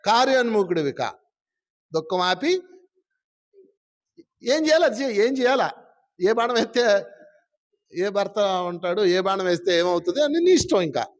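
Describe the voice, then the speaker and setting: Male spiritual teacher, high voice, plain teasing delivery, quizzes his listeners nonstop. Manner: keeps asking the audience questions. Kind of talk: teaching a live audience.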